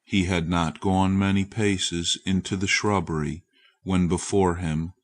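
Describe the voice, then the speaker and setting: A man reading a legend as scripted storybook narration, in a measured, deliberate way. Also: low-pitched, steady tone. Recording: loud music behind the voice. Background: loud music.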